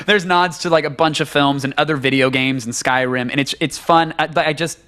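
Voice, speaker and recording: A man's voice: on the high side, fairly even intonation, fairly quick, sharp tone, clear, resonant tone. A man hosting a podcast, talking casually in a rambling way with restarts and bursts of laughter. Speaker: podcast host. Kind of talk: casual chat.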